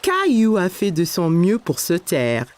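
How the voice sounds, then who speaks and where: A woman's voice: lowish voice, huge pitch swings, a little slow, darkish tone. A woman narrator reading scripted story narration for a French children's cartoon.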